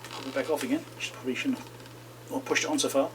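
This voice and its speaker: Over very noisy audio, a man with a medium-pitched, fairly even voice speaks very fast while hosting a repair video for his electronics channel. He casually walks himself through the work, with chatty asides to viewers.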